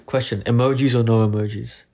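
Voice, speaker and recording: A man's voice: medium pitch, steady tone, a little fast, a little mellow. A young man co-hosting a podcast, chatting casually and rambling with lots of fillers and restarts while he jokes. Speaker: podcast co-host. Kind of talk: casual chat.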